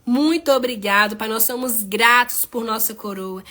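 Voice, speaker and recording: Woman preacher, fairly high voice, fervent live-stream prayer with a repeated refrain. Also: normal speed, bright, forceful tone. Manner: repeats "Pai" through every phrase. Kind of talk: warm closing blessing to viewers.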